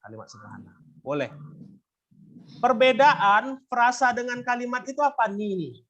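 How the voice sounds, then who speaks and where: A man's voice: very high-pitched, very animated, moderate pace, fairly bright tone, dull audio. A male teacher explaining grammar to students, asking questions and prompting them to answer. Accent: Indonesian. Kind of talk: classroom lesson.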